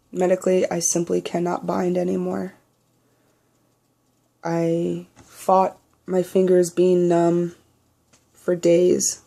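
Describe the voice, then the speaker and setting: A young trans man with a naturally high voice he tries to pitch lower, speaking candidly and bluntly in a personal video diary, swearing freely. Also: creaky, dark tone. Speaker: vlogger.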